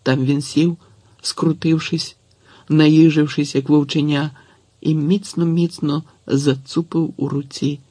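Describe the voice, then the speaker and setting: A man reading a literary story aloud in an expressive audiobook narration. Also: fairly high pitch, gravelly, slightly rough, no room sound.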